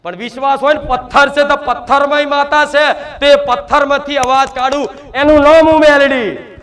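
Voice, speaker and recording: A man, speaking loudly as a spirit medium in a trance sermon to devotees, full of repetition and rhetorical questions. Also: extremely high pitch, steady tone, normal speed. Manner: loud, shouting, declamatory.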